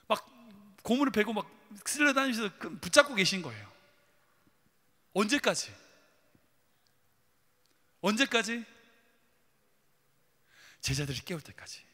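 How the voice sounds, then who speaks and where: A man's voice: very high-pitched, pushed and bright, in a large hall. A man preaching a sermon dramatically, full of rhetorical questions. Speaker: pastor. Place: church sanctuary.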